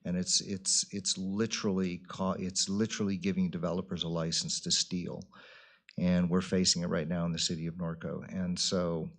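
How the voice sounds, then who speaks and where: A man speaking as mayor at a city council meeting, giving informal remarks in a plain-spoken, deliberate way. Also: low voice.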